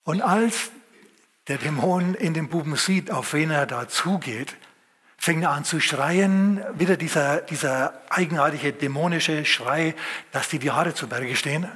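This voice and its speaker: A man with a fairly high, husky voice preaches a sermon. He retells a scripture story with vivid storytelling, lively sound words and dramatic pauses.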